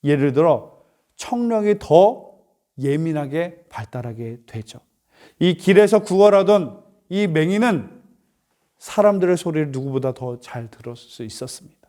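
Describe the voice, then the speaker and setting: High-voiced man preaching animatedly. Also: a little slow. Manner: animated, acts out voices, asks rhetorical questions. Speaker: pastor. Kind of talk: youth sermon, storytelling. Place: church.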